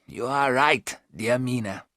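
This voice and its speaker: A man reading aloud, voicing a wise older professor who explains his plans in a measured, firm way. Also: medium pitch, pushed and bright, dry recording, studio quality.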